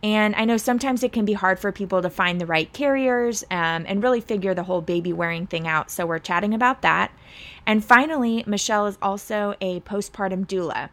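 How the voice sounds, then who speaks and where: A woman's voice: medium pitch, a little fast, fairly bright tone. A woman hosting a parenting podcast, reading an upbeat intro and then chatting with her guest. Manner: upbeat and friendly, scripted intro. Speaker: podcast host.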